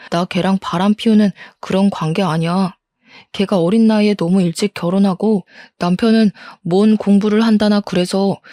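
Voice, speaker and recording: A woman's voice: mid-range voice, mellow, no echo, clean studio sound, lightly acted. A woman voicing a defensive, scornful cheating husband in a story reading. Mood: pleading. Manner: defensive, scornful, blame-shifting. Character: angry cheating husband, middle-aged man. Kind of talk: storybook role-play.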